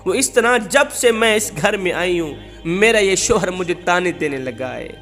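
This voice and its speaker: A man's voice: sits high, animated, a bit bright, soft background music. A man voicing a mistreated wife who pleads in a tearful lament of repeated lines.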